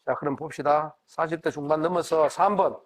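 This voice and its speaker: A man's voice: fairly high pitch, steady tone, a little fast. A middle-aged man from the Gyeongsang region, with a Gyeongsang accent, giving a classroom lecture and questioning his audience conversationally. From Gyeongsang region of Korea. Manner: conversational, asks the audience questions and answers them. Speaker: university professor lecturing.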